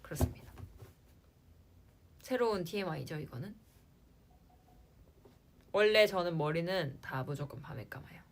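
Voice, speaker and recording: Young woman chatting on a stream, voice bouncing all over, playful and chatty, trails off soft. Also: lowish voice, animated, normal speed, pauses often, a little hiss or hum. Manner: chatty, playful sound words, trails off at line ends. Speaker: idol livestream host. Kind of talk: casual livestream chat answering fans.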